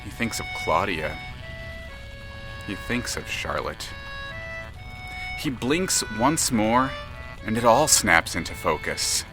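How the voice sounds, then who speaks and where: A man narrates an audio drama as a literary storyteller. His voice sits a little low but moves expressively, measured and dramatic, with music clearly behind it. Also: big pitch swings, rough recording.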